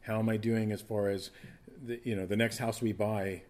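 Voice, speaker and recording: A man's voice: lowish voice, level tone, normal speed, darkish tone. A man in his fifties preaching a casual, conversational sermon, often restarting and repeating words. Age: 50s. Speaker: pastor.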